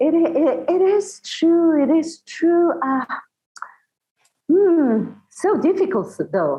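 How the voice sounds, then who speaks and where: A woman with an Italian accent speaks at a very slow pace in an extremely high pitch, her intonation lively and her loudness very even, with long, frequent pauses. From Central Italy (Teramo). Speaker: yoga teacher. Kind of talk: interview conversation. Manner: halting.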